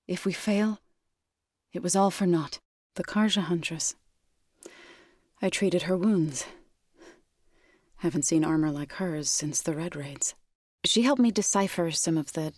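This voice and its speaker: An earnest tribal healer for a sci-fi game. Her voice sits fairly low and is recorded close and dry. She speaks with measured gravity and formal, careful phrasing, like someone carrying a duty to her people. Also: no echo. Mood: solemn, resolute, then calm, informative. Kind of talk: scripted video game character dialogue.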